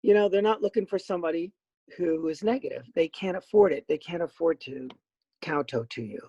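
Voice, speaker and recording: A middle-aged man with a raspy voice, a voice actor chatting as a podcast guest in an animated, rambling way. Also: a little high, fairly quick, highs cut off. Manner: animated, rambling with many fillers. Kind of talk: casual podcast interview.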